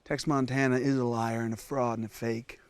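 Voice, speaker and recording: An actor playing a lost, cold and hungry survival-show star whose confession swings between sobbing and panic. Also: male voice, medium pitch, flat delivery, normal speed, smooth, no echo, natural voice. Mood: quiet, resigned. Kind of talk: comic monologue acting.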